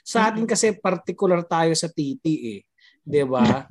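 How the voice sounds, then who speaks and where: Deadpan man with a lively voice. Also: on the high side, normal speed. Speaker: podcast co-host. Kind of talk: raunchy casual banter.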